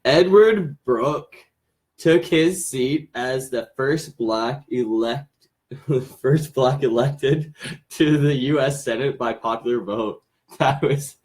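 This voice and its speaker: Co-host, male, thirties, mid-pitched, giggly and self-mocking on a loose live chat. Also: takes it slowly, darkish tone. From Canada. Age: 30s. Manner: laughs often, jokey and self-mocking. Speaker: livestream co-host. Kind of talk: casual live-stream chat.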